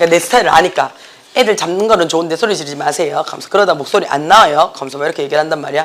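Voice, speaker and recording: Shouting in a put-on character voice, a woman speaks very fast at a fairly low pitch, sounding hoarse and strained. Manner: strained from shouting.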